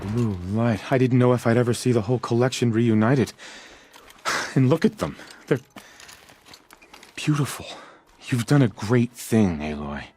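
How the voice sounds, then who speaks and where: A man playing an earnest, eager self-taught tribal naturalist in a video game, musing in a wonderstruck, halting, self-important way. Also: medium pitch, a little mellow, a little hiss or hum, natural voice. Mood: grateful. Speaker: non-player character in a video game. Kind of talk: video game dialogue acting.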